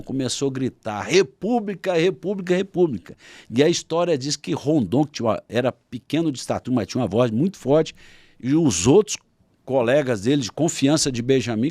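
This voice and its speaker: A guest author with a Brazilian Portuguese accent tells a historical story during a podcast interview, acting out quotes by shouting them. His voice is medium-pitched and the recording is dry.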